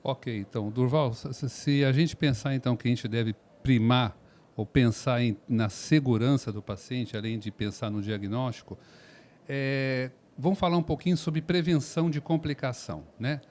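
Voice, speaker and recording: A man's voice: mid-range voice, moderate pace, darkish tone. A man from São Paulo with a mid-range voice hosts a podcast interview. He asks questions in a friendly way and often drops in short acknowledgements while his guest talks. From São Paulo, Brazil.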